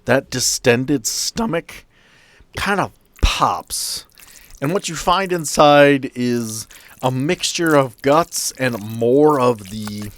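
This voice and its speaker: A man's voice: medium pitch, slow, a bit bright. A man running a tabletop horror game as game master, improvising narration and rulings in conversation.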